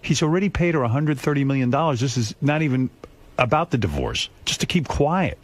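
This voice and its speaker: A man's voice: mid-range voice, lively intonation, fairly quick. A man hosting a talk radio show in casual banter, with probing, teasing questions.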